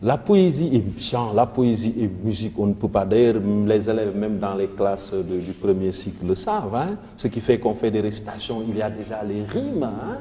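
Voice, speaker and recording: A man with a Senegalese French accent, a teacher explaining poetry and rhythm on a televised revision lesson, reciting lines of verse slowly. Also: lowish voice, animated, mellow, big-room sound. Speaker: literature teacher.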